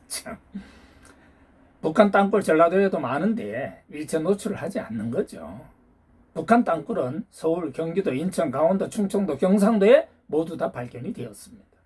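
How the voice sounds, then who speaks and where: A man delivers a ranting political monologue to his viewers, scolding them and constantly demanding answers with rhetorical questions. His voice is husky and sits a bit high, leaping up and down with lively, animated pitch. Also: normal speed. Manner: peppers talk with challenging rhetorical questions; lecturing, hectoring tone toward listeners. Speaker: YouTube channel host.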